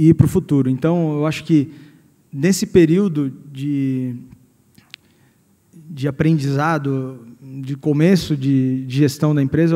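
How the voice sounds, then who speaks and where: Male executive speaker, Brazilian accent, middle-aged; soft-edged, relaxed tone, halting delivery, long hall reverb. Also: on the high side. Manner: hesitant, repeating words as he searches. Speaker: company president giving a guest lecture. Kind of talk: personal career talk to an audience. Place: large hall at a university event.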